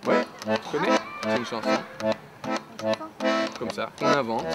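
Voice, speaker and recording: A man's voice: medium pitch, unhurried. A man who plays the accordion, explaining to an audience how the instrument works in a chatty, hands-on way and often ending his sentences with "hein". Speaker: accordion player teaching an audience. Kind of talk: lively hands-on demonstration. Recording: accordion music heard behind.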